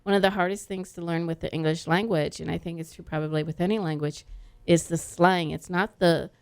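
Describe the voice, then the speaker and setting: Gravelly, smooth-voiced woman radio host. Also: lowish voice, fairly even intonation, brisk. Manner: chatty, leads the conversation. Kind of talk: radio interview.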